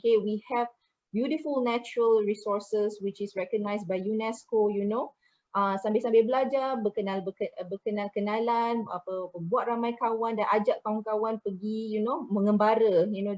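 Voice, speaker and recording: A woman's voice: mid-range voice, darkish tone, lo-fi sound. A Malaysian woman with a Malaysian accent, giving a chatty promotional presentation to prospective students and slipping into Malay phrases.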